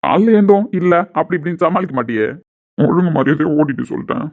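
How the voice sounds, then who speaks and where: A man's voice: on the high side, expressive, fast talker, gravelly. A man playing Rohit, a teasing, loyal young friend in a web drama. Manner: teasing, playful. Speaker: actor in a web series. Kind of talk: dramatic dialogue. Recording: dull lo-fi recording.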